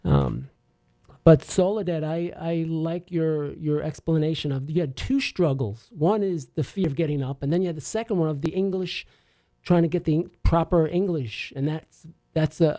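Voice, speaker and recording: Mellow-voiced joking radio co-host. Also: medium pitch, normal speed. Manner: joking, encouraging. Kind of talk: radio interview.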